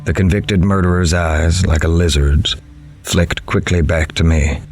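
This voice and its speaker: A grave reporter played by a man tells a horror story in a very deep voice. His delivery is measured, somber and literary, with music playing underneath. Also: steady tone, a little mellow. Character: grave, observant male newspaper reporter. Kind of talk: first-person narration of a horror audio drama. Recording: music behind the voice.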